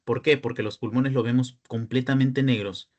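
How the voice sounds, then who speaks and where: A man's voice: mid-range voice, steady tone, normal speed, a little mellow, highs cut off. A young man with a Peruvian Spanish accent, a peer tutor giving an online class lecture, explaining step by step and often checking in with the students.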